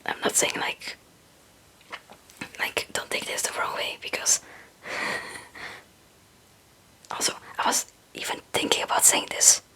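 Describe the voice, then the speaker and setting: A young woman who isn't a native English speaker whispers through a casual, rambling ASMR chat as a video creator, often hesitant and self-deprecating. She speaks slowly, pausing often, in a bright, forceful tone. The recording is low quality.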